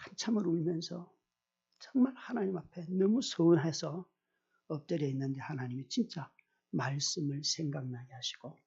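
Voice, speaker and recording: A middle-aged male pastor preaching a sermon with personal testimony, telling it in an animated way, acting out his own prayers and putting questions to the congregation. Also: on the high side, vocal fry, slightly rough. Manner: animated storyteller, acts out quoted prayers, asks the congregation questions. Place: church service. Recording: dull lo-fi recording.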